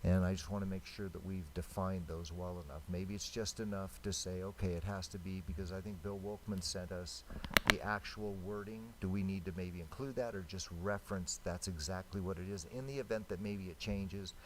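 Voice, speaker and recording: An American man speaks informally as a council member at a public meeting. His voice is very deep, with faint room noise behind it. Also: fairly even intonation, normal speed. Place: city council chamber.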